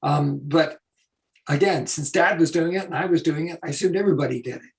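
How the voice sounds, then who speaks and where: A man illustrator telling stories on a panel, hoarse and losing his voice, speaking casually. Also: fairly high pitch, a little fast.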